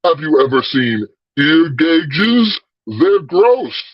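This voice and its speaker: A man's voice: a little high, big pitch swings, breathy edge, dry recording, dull audio, full character voice. A man using a voice changer to play a smug male devil arguing as devil's advocate, speaking in a morphed, mock-sinister voice. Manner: mock-sinister, jokey, slow drawl.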